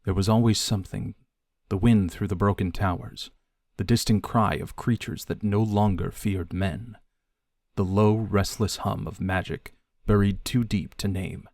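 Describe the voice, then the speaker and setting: In a low, dry voice, a man narrates an audiobook, speaking slowly and softly with deliberate pauses for drama. His tone stays steady, and the recording sounds dry.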